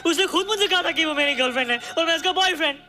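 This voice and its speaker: A man's voice: rapid-fire, music in the background. A sobbing childlike young man. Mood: pleading. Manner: pleading, sobbing, high strained voice. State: crying. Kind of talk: Hindi film dialogue.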